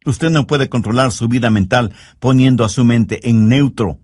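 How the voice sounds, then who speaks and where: A man preaching a sermon in an earnest, pleading way, slowing down to stress key words. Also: mid-range voice, a little mellow, no echo, studio quality.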